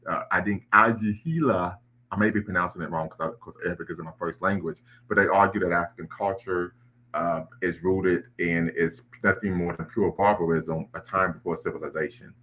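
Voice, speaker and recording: A man's voice: low voice, steady tone, brisk, dull audio, slight background noise. A man hosting a live online discussion, lecturing at length and citing history, with frequent restarts. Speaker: livestream host.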